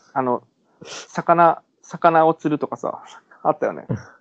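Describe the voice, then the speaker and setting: The sound is close and dry, without echo. A man's pitch varies in an ordinary way. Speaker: podcast co-host. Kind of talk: casual chat. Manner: halting.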